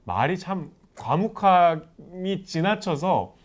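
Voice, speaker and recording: A man in his forties hosts a casual podcast and tells a personal story. His voice sits a bit high and swings widely in pitch. He turns animated and loud when he reaches the frustrating parts. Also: takes it slowly. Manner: animated, rises sharply when recalling anger. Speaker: podcast host.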